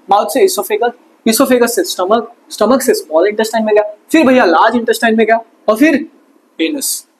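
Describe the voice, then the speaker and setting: A man teaching a fast exam revision lesson, casual and chatty, asking quick questions and answering them himself. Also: very high voice, poor audio. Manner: quizzes himself with quick call-and-response questions. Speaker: science tutor.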